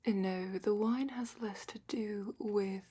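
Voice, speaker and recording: A woman playing a calm, probing dragon-academy examiner in a whispered ASMR roleplay, speaking softly and deliberately with thoughtful pauses. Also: mid-range voice. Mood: probing, appraising. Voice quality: soft, breathy whisper.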